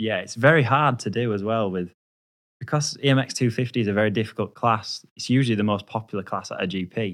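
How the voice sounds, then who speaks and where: At a very fast pace, the speaker talks with an English accent and ordinary pitch variation in a very clean recording with a silent background. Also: man, medium pitch for a man. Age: 20s. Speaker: motocross rider. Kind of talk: casual chat.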